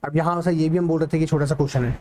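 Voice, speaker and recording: A man teaching an exam-prep lecture online, mixing Hindi with English terms and slowing down to read English text aloud. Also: on the high side, fairly even intonation, darkish tone. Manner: asks and answers his own questions, slows to read English text aloud. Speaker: online tutor.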